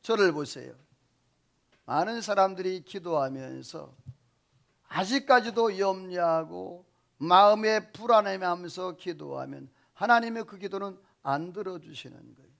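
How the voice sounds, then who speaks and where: A man preaches from the pulpit in a high voice. He keeps tossing questions to the congregation and waiting for them to answer back. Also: lively intonation, unhurried, gravelly. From South Korea. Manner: call-and-response preaching, quizzing the congregation. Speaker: senior pastor. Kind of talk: sermon.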